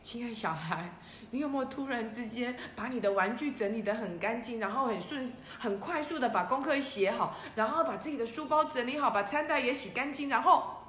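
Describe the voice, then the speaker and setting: Lively woman telling children a story. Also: a little high, brisk. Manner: gentle, animated, speaks directly to children. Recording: roomy echo, faint room noise.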